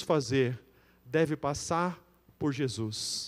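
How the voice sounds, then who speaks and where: A man is speaking. The background is quiet. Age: 30s. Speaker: pastor. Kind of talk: sermon. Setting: church service, streamed online. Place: church. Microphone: handheld.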